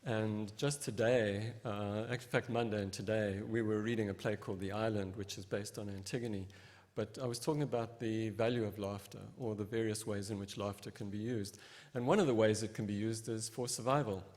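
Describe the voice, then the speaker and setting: A man from South Africa moderating a session, speaking off the cuff with many pauses and restarts. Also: on the low side, steady tone, a little mellow. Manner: hesitant, many ums and restarts. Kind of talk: unscripted remarks. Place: lecture hall. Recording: lecture hall reverb.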